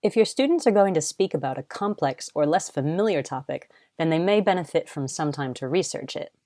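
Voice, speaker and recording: A woman reading scripted educational narration in a measured, instructional way. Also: low voice, animated, warm tone, dry recording, clean studio sound. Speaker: voiceover artist and presenter.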